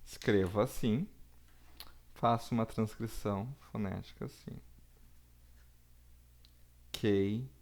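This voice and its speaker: A man, teaching a recorded lesson with slow, deliberate explanations and frequent checks for understanding. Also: fairly low pitch, darkish tone. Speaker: Portuguese teacher.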